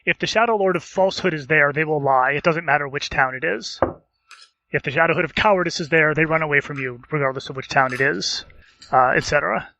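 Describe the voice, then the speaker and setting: A man's voice: fairly high pitch, quick pace, bright, forceful tone. A man on a podcast panel, speaking casually in a precise, matter-of-fact way. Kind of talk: casual discussion. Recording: dull lo-fi, dry close sound.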